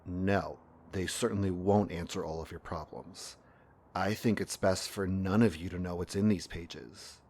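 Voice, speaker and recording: Audio drama partner, played by a man: deep, grave and gentle, tired and ailing, quietly knowing, measured delivery. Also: steady tone. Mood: grave, insistent. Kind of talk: fiction podcast acting.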